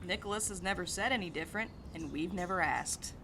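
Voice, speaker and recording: A woman's voice: fairly low pitch, fairly quick, noisy background, natural voice. A woman playing a blunt, bantering mail carrier who is bad with feelings, in an audio drama. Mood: breezy, teasing. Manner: blunt, casual, teasing. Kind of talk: naturalistic audio drama dialogue.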